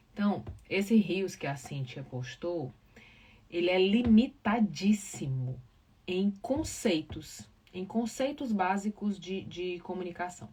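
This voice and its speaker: Distant-sounding, low-voiced Northeastern Brazilian woman. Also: a little mellow. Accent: Northeastern Brazilian, from Ceará. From Ceará, northeastern Brazil. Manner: didactic, emphatic on key words. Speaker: live podcast host, communication professional. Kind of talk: informal explanatory talk to live viewers. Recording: distant mic, clear background noise.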